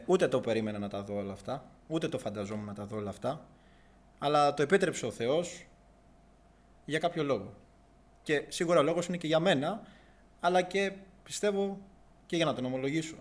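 A young man earnestly recounting a personal religious testimony in a halting, searching way. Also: on the high side. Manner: earnest, halting, with restarts and long pauses.

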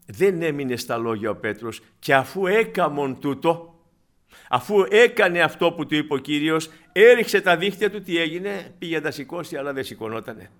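A man preaching a sermon to his congregation, animated, swinging between loud exclamations and hushed asides, calling them dear brothers. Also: on the high side. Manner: acts out quoted scripture and people in his own voice.

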